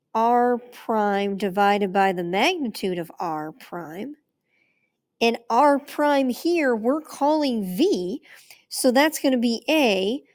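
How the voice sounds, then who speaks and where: Lady math teacher talking through a proof as she goes, bit high pitched, casual. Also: darkish tone. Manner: chatty, talks herself through the steps. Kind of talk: thinking aloud through a proof on a screen.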